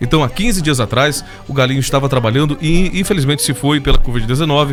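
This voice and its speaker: Music plays in the background as a man speaks. His fairly high voice moves at a very fast pace. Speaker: radio host. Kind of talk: solemn tribute announcement.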